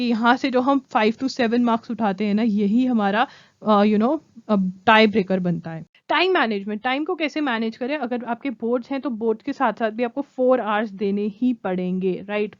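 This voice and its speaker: Young female tutor, higher voice, dry slightly muffled mic, direct and repetitive. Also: no room sound. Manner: direct, repeats key points, checks in with "ठीक है?". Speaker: exam coaching educator. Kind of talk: Hinglish exam-prep lesson to camera.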